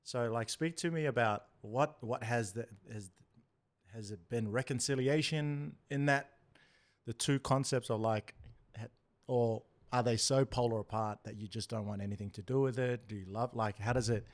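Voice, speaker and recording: A man's voice: mid-range voice, normal speed. A man of Samoan heritage hosting a podcast interview. He affirms often and asks long, winding questions. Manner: affirming, frequent "yeah", rambling questions. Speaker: podcast host and church minister.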